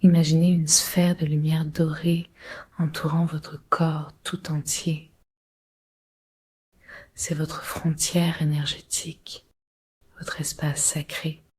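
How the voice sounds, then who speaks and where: A woman leading a guided relaxation meditation in a breathy, husky, often near-whispered voice, giving slow, soothing, measured instructions. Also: deep voice, little pitch movement, a little mellow. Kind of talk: guided Yoga Nidra meditation.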